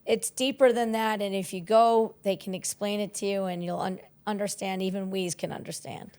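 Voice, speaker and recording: American woman co-hosting, mid-pitched voice. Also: steady tone, normal speed, a little mellow. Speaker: co-host. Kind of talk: casual chat.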